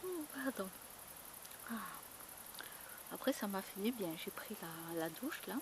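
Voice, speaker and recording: A woman's voice: mid-range voice, lively intonation, unhurried, a little hiss or hum. A woman vlogging in a casual, rambling chat, full of fillers and repeated words. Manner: chatty, rambling storytelling with many fillers and repeats.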